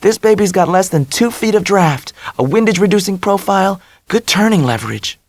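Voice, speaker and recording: A man's voice: high-pitched, animated, brisk, slight background noise, voice pushed up. A man voicing an ebullient, quirky young blonde woman who talks in a bubbly, confident way. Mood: breezy.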